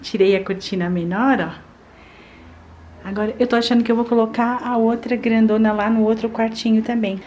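A woman's voice: fairly high pitch, steady tone, normal speed, a little mellow, muffled recording, a little hiss or hum. A young Brazilian woman vlogging chores at home, speaking in a chatty, upbeat way straight to her viewers and recorded on a handheld camera mic. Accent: Brazilian Portuguese. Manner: chatty and upbeat, often addressing viewers directly. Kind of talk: casual home vlog, showing chores. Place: small apartment bedroom and bathroom indoors. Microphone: handheld wide-angle camera mic.

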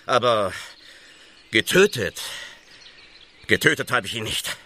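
A man's voice: fairly low pitch, lively intonation, slow, sharp tone, slight background noise, exaggerated voice. An actor playing a burly, devout village man in an audio drama, defiant and fervent in an emphatic way. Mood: grim, controlled. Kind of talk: German audio drama acting.

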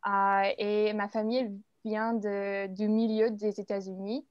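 A young American woman introduces herself on a video call, soft and hesitant. She speaks slowly. The call audio is dull and very dry. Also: medium pitch, flat delivery, clean tone, no room sound. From United States. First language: English. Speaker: guest, English teacher. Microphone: video call, earphone headset.

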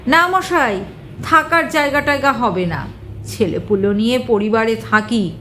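A woman's voice: fairly high pitch, lively intonation, unhurried, fairly bright tone, slight background noise. A woman doing a flustered village shopkeeper man. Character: nervous male village shopkeeper, curt.

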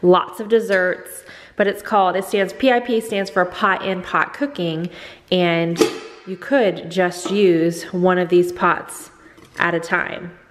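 A middle-aged Texan woman runs a casual cook-along in her home kitchen, explaining each step chattily and often saying "go ahead." Her fairly low voice has fairly even intonation and an unhurried pace, and it sounds as if she's in a large hall with slight background noise.

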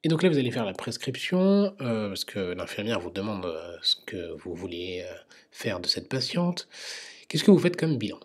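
Male medical teacher, husky, hesitant explainer, quiz lecture. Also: mid-range voice, sing-song, moderate pace.

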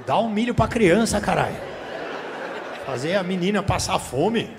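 Animated and high-voiced, this Brazilian stand-up comedian talks at a moderate pace while mocking the crowd in profane slang through a handheld mic. Laughter rises from the audience in the reverberant theater, where faint room noise lingers.

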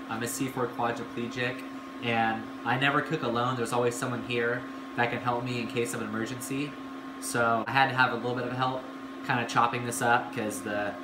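A young man in his twenties talking casually through a home cooking vlog, explaining each step as he goes. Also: medium pitch. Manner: relaxed, explains steps as he goes. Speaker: vlogger. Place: kitchen at home, indoors. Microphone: camera on table. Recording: echoey room with background noise.

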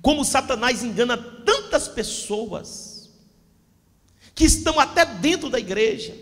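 Fervent shouting preacher man in his forties. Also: extremely high pitch, expressive, measured pace. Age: 40s. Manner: fervent, often shouting and gesturing with a handheld mic. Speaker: pastor. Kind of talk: impassioned Pentecostal sermon. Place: church hall with a stage backdrop. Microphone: handheld microphone. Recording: long hall reverb.

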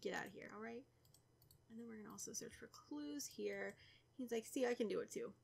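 A young woman with a cold, stuffy and a little raspy, chatting casually through a let's play and teasing the characters. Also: on the high side, brisk, darkish tone. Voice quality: slightly raspy. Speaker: gaming YouTuber.

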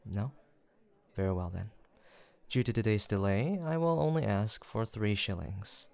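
A man playing a gentle, kindly young village apothecary in a soft roleplay audio drama, speaking politely and formally with attentive reassurance. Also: fairly low pitch, animated, unhurried, creaky, smooth.

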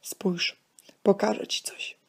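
A woman voicing a gentle, wise father who patiently explains things to his young son. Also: slow, in a whisper, lightly acted.

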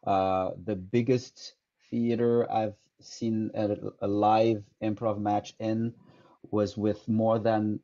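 A man's voice: lowish voice, little pitch movement, slow pace, dark tone. A man in his thirties from France with a French accent, an improv teacher answering interview questions thoughtfully, with many fillers and restarts, over a headset on a video call. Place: small room indoors. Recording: dull lo-fi video call audio.

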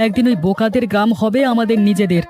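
A man's voice: sits high, quick pace, a little mellow, soft background music, lightly acted. A man voicing a greedy, scheming village swindler in a cartoon, boastful and gloating. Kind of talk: dramatized cartoon villain dialogue.

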